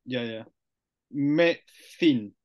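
A young man with a Finnish accent, a native Finnish speaker, hosting a casual interview over a video call and slowly trying out new words. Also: mid-range voice, dull audio. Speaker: podcast host. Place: small room indoors.

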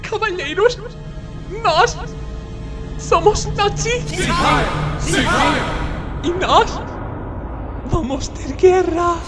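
An extremely high, very slow shouted voice as a grandiose cartoon warlord. The speech is fanatical and declamatory, with very loud music beneath. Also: lively intonation, heavily acted. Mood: fanatical exaltation. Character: grandiose, fanatical Nazi war leader. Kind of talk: comedic anime parody fan dub.

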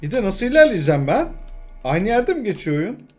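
A young man commenting on a horror game he plays, talking to himself and the game, muttering low and breaking into frightened yells, his throat strained from shouting. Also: very animated, a little fast, soft background music. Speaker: gaming channel host.

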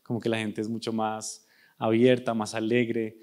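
Standing on a large, dark auditorium stage with a handheld microphone, a young Bogotá architect gives a conversational university talk aimed straight at the students. His voice is on the low side and darkish, monotone, at normal speed, with a Bogotá Colombian Spanish accent.

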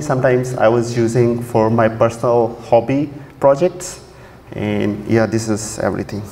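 A mid-range-voiced man, Urdu being his first language, gives a technical talk at a conference from a podium in a large, dark auditorium. He sounds relaxed, with lots of fillers and restarts, and the recording carries long hall reverb and faint ambience.

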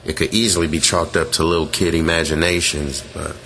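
A man with an extremely deep voice tells a creepy personal story as if chatting with friends. He is laid-back and matter-of-fact, and there is clear rumbling noise behind him. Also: level tone, a little fast, pushed and bright. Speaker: guest reader of a listener's story. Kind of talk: conversational first-person ghost story reading. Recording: clearly noisy, vehicle-like background rumble.

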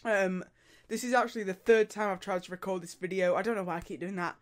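Congested teen lad vlogging. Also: male voice, sits high, fast. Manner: chatty, animated, laughs and groans at dares. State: congested from a cold. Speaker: YouTuber. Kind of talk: casual vlog. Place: small bedroom. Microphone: studio mic on arm near camera.

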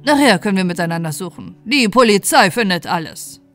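A woman's voice: mid-range voice, big pitch swings, brisk, soft background music, natural voice. A woman voicing a self-important, pompous village policeman in a fairy tale.

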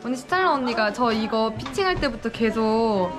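A woman's voice: fairly high pitch, normal speed, over music. A young woman introducing herself and joking with bandmates in a backstage vlog, wearing a headset mic. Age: young adult. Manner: bubbly, animated, joking. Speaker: idol group member. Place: backstage waiting room. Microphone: headset mic, handheld camera.

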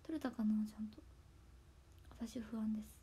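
A young woman with a Hakata dialect, chatting casually on her livestream from home and thanking viewers, often slipping into soft whispery asides. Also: a little high, little pitch movement, normal speed, husky. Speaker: idol livestream host. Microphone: tablet built-in mic.

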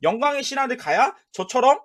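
A young man giving casual, excitable commentary over his own mobile game, trash-talking and narrating his plays. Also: very high voice, fairly quick. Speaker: gaming YouTuber.

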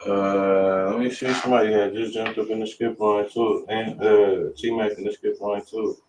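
A man's voice: on the low side, steady tone, moderate pace, a little mellow, reverberant, recorded from a distance, slight background noise, rough recording. A man in his thirties hosting a casual livestream from a home studio, talking in laid-back slang and swearing freely. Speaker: host.

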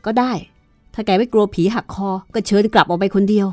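A woman voicing a hot-tempered, impatient young man who shouts in exasperation. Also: medium pitch, quick pace, no room sound, faint music behind, pitched above the performer's own voice, close to an everyday voice. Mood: angry.

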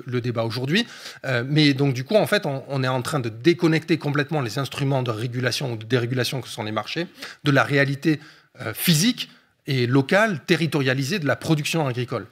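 A man's voice: mid-range voice, fairly bright tone. A man, an economist guest on a discussion show, explaining at length with frequent hesitation fillers.

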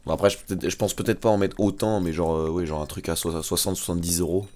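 A man's voice: sits low, steady tone, fast talker, warm tone. A man, chatting casually while playing a game, laid-back and often saying "mec". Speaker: let's play co-host. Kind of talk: casual gaming chat.

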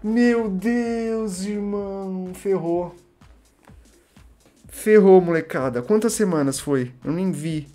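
A young man with a Brazilian Portuguese accent, giving slangy live commentary on a game stream, chatting with viewers and erupting into shouts. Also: high voice, slow, soft background music.

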